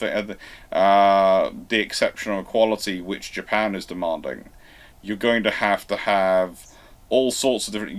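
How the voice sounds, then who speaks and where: A man hosting an unscripted history Q&A, talking discursively and often reworking his sentences as he goes. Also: lowish voice. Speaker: host of a live history Q&A show.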